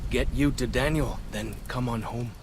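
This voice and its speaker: A man's voice: medium pitch, fairly even intonation, normal speed, very noisy, natural voice. A man playing a plain-spoken tribal scout in a video game, speaking briefly and plainly. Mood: matter-of-fact.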